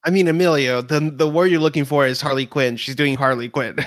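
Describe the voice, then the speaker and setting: A man with a notably high voice keeps things jokey in loose podcast chat. He teases the others and throws in profanity without pause. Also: fairly even intonation. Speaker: podcast co-host. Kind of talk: casual chat.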